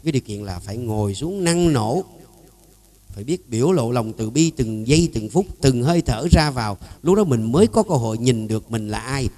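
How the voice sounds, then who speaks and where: A man, a Buddhist monk giving a dharma talk. He speaks emphatically, swings between loud and soft, and keeps asking his listeners rhetorical questions. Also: medium pitch, expressive, fairly quick, soft background music.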